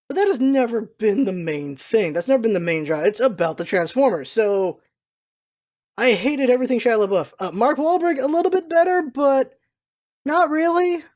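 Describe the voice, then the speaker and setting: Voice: medium pitch, darkish tone. A vlog host talking casually and off the cuff, with an informal, opinionated and emphatic manner. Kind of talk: casual rambling solo vlog commentary.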